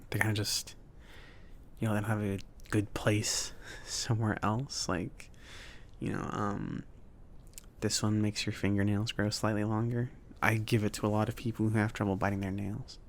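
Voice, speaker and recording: Low, creaky-voiced man as a friendly, awkward shop mage. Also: flat delivery, a little hiss or hum, close to an everyday voice. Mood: friendly, hesitant. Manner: halting, casual, chatty, filler-laden. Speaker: ASMR roleplayer. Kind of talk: soft-spoken ASMR roleplay.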